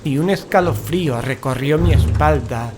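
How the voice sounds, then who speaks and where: A man's voice: on the high side, normal speed, background noise, lightly acted. A man playing a frightened paranormal investigator in a horror audio drama, telling of a haunted house with dramatic unease. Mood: ominous narrating. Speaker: narrator and character in an audio drama. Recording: music behind the voice.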